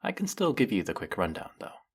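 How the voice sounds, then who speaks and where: A man playing a flirty, fanatically devoted demon familiar in a dramatic audio roleplay, with fawning, formal diction and a breathy, husky voice. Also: fairly low pitch, big pitch swings, fairly quick. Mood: dutiful, menacing. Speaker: voice actor. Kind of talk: dramatic roleplay monologue spoken to the listener.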